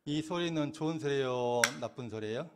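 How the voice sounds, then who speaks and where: Male minister, middle-aged, mid-pitched. Delivers a questioning, conversational sermon. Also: brisk, heavy background noise. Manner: asks questions and answers them himself, laughing now and then. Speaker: Won Buddhist minister.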